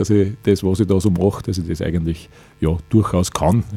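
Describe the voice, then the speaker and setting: The man's voice has a dark, mellow tone. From Upper Austria. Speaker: assistive technology specialist. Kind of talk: radio interview. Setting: radio studio. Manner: hesitant with frequent fillers.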